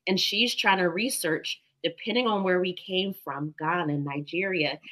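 A woman in her thirties explains medical facts with calm confidence from a room at home. Her voice is bright and a touch low, picked up by a laptop mic. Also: moderate pace. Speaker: doctor and guest. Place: home room, video call.

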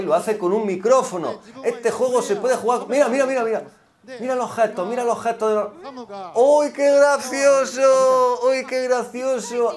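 Sarcastic high-voiced man. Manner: mocking, exaggerated sarcasm, mock-delighted exclamations. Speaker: youtuber reacting to a game demo. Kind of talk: sarcastic commentary.

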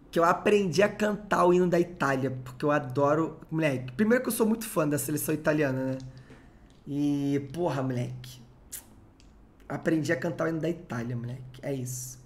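A man's voice: fairly high pitch, a little fast. A young man from Brazil, hosting a live stream and chatting casually while he commentates a card game. He jokes around, drops slang and wanders into side stories. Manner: chatty, joking, slangy asides.

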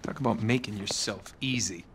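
A man's voice: fairly low pitch, moderate pace, a little hiss or hum, lightly acted. An actor playing a wry, easygoing American adventurer in his thirties, talking casually and dryly in a video game. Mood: guarded, wry. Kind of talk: naturalistic video game acting. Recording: music underneath.

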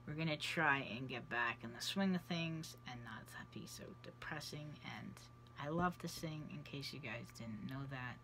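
A man's voice: medium pitch, moderate pace, bright, forceful tone, slight background noise, rough recording. A trans man in his thirties whose voice is changing on testosterone, chatting casually to camera in a small bedroom and often trailing off into a near whisper. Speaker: vlogger. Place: small cluttered bedroom indoors. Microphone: camera close at face level.

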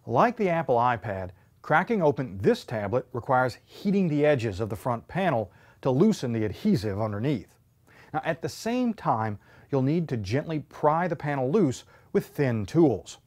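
Guy in his 30s hosting a tech teardown show, clear emphatic delivery, lots of up and down in his voice. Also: medium pitch, sing-song, normal speed, a little mellow. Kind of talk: scripted tech teardown presentation. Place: indoor studio set with shelves.

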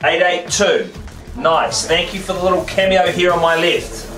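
A middle-aged man with a New Zealand accent calling bids at a live property auction, with quick joking banter and rhythmic patter. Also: sits high, lively intonation, music in the background. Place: crowded living room of a house for sale. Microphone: far camera, no mic. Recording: echoey room, voice from far off.

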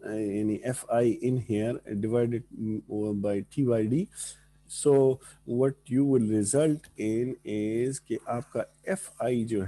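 A man's voice: lowish voice, vocal fry, mellow, husky. A man with a South Asian accent giving an engineering lecture, mixing Hindi-Urdu phrases into English and often checking understanding with short questions. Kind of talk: classroom lecture with board working and questions to students.

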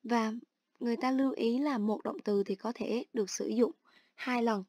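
A woman teacher calmly explaining an online English exercise step by step. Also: a little high, normal speed, no echo, studio quality. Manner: steady instructional, explains each step. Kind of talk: online lesson narration.

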